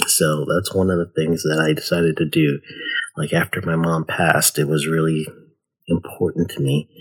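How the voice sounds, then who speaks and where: Man, forties, low and husky, easygoing rambling podcast host. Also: a bit bright, poor audio. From United States. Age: 40s. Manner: rambling, friendly, many fillers. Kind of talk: casual solo podcast talk.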